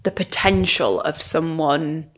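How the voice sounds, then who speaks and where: A woman hosting an interview, asking questions and giving steady short affirmations. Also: deep voice, takes it slowly. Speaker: podcast host.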